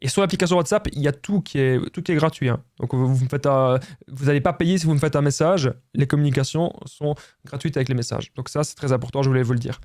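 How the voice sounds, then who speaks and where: A man's voice: medium pitch, fast talker, darkish tone, no echo, studio quality. A man with a Belgian French accent giving relationship advice straight to his viewers, insistent and repetitive, often calling them his friends. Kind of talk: direct-to-camera advice talk.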